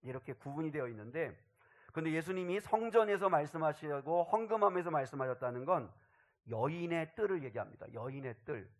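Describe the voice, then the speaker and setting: A male pastor preaching a sermon, rising loud on key phrases and dropping to a hush, acting out quoted speech. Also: on the high side, expressive, a little fast. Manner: acts out quoted voices in dialogue.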